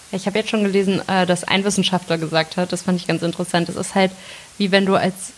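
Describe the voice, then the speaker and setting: Talking very fast, a woman keeps her intonation fairly even. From northern Hesse, Germany (Melsungen). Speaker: podcast co-host. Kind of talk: casual chat.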